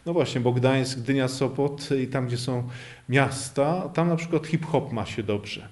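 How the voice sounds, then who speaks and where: A man's voice: medium pitch, a little slow. A man, a poet and language activist, explaining things at length in an interview, with frequent hesitation fillers along the way.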